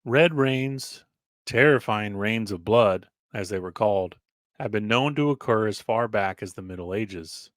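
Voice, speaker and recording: A man with a fairly deep voice narrates archival writing in a dramatic read-aloud style. He moves deliberately from phrase to phrase, pausing for emphasis and now and then tripping on a word. The sound is dry, with little room around the voice. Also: no echo. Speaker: narrator reading an old newspaper article aloud.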